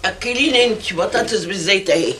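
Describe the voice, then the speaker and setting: An actress playing a simple-minded, childlike older aunt who whines and pleads, with an Egyptian accent. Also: female voice, mid-range voice, fast talker, fairly bright tone, a little hiss or hum, natural voice. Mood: whiny childish. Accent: Egyptian Arabic. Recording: TV drama with music underscore.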